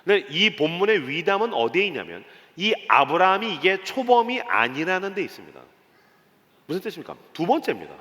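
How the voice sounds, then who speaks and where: A male pastor preaching in a church sanctuary, his high, bright voice leaping up and down as he dramatizes the story. A long reverb trails every phrase. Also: brisk. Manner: animated, dramatizing with acted voices and sound effects. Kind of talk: early-morning sermon.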